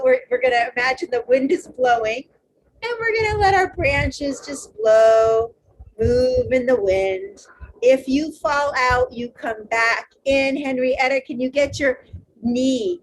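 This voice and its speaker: A woman teaching a live online yoga class, cueing poses step by step in a loud, encouraging, chatty way over a video call. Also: high-pitched, low-quality recording. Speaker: yoga instructor.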